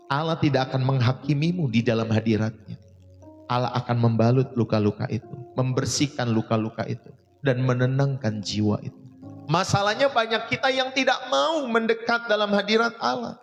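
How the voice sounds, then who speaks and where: A man preaching a sermon, his medium-pitched voice leaping up sharply for emphasis. His voice rings out with a long hall reverb, and soft music plays faintly underneath. He addresses the congregation directly, again and again. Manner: preaching with sudden high bursts of emphasis. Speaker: pastor.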